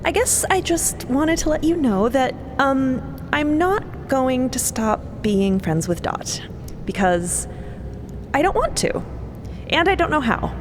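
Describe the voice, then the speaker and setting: Woman acting an earnest, awkward young woman, high and lilting. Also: takes it slowly, background noise. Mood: nervous resolve. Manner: hesitant, earnest, rambling. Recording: steady rumbling ambience under voice.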